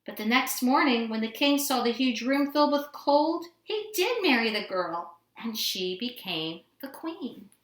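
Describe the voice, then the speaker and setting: A woman reading a fairy tale aloud to children in an expressive storytelling style. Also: fairly high pitch, measured pace, hardly any pauses. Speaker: storybook reader. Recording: roomy indoor echo.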